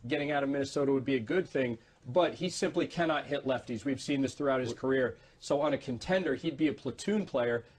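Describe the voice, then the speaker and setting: A man's voice: mid-range voice, brisk, hardly any pauses, a little hiss or hum. Male sports commentator, mid-range voice. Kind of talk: casual sports analysis and chat.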